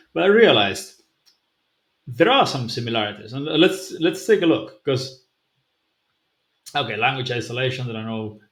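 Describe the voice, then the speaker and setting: A language-learning vlogger whose first language is Basque thinks aloud to camera in a casual vlog, conversational and musing, with loose explanations. His mid-range voice has a fairly bright tone, and the roomy recording echoes.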